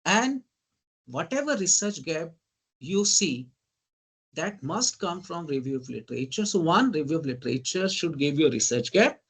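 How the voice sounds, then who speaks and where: Higher-voiced Indian English man lecturing. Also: big pitch swings, moderate pace, husky. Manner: often asks "right?" and says "ladies and gentlemen"; lists terms in emphatic bursts. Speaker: guest lecturer. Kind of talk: online teaching lecture.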